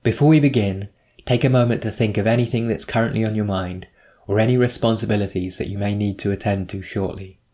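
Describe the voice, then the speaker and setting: A man narrating a scripted guided meditation, giving measured, instructive prompts with pauses between them. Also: fairly low pitch, steady tone, warm tone.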